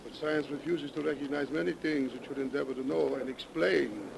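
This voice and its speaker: Stern old doctor in a 30s radio horror show, creaky voice, formal n probing, bit of hiss. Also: male voice, medium pitch, brisk. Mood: grave. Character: grave, knowing older country doctor investigating the supernatural. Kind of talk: 1930s radio acting. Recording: faintly noisy 1930s radio recording.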